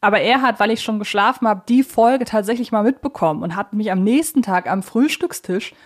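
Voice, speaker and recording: A woman's voice: medium pitch, brisk. Woman hosting a conversational podcast. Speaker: podcast host.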